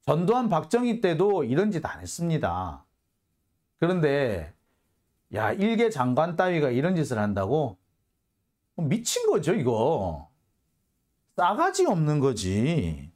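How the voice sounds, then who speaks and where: A man's voice: fairly high pitch, huge pitch swings, measured pace, long pauses, a little mellow. Heated, cursing male political commentator. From South Korea. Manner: heated, cursing, sarcastic, sighing. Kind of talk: angry political commentary monologue.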